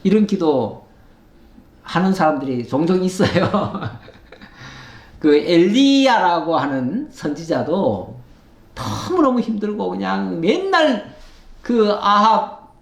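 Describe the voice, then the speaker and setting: A man, a pastor, giving a conversational Bible lecture, animated and acting out quotes with frequent chuckles. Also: high-pitched, takes it slowly, creaky, long pauses. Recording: echoey room.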